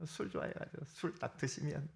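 Male pastor, sermon, slightly high voice that swings widely, emphatic, asks the flock rhetorical questions. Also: animated, fairly quick, vocal fry.

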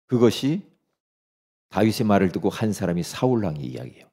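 A man preaching a sermon, retelling a story with animated delivery and acting out the characters' dialogue. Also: fairly low pitch, a little fast. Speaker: pastor.

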